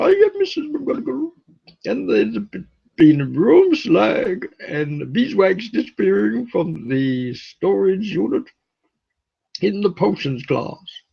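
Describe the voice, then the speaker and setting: Putting on a character voice, a man speaks at a fairly slow pace in a high pitch. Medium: solo performance.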